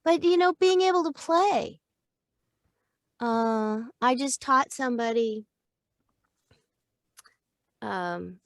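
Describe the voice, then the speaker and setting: A middle-aged woman voice actor, a guest on a podcast, chatting casually in a playful, expressive way, laughing often and restarting her thoughts as she goes. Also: a little high, creaky, dry recording, studio quality. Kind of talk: casual interview chat.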